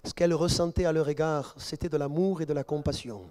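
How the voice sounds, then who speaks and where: A middle-aged man preaching a sermon as pastor, telling a story with quoted dialogue and building to excited, emphatic peaks. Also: on the high side, fairly quick.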